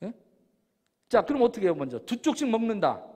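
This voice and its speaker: A man giving an animated lecture, firing off rhetorical questions and acting out examples. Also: high voice, a little fast, slightly rough. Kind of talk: lecture on personality types. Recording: long hall reverb.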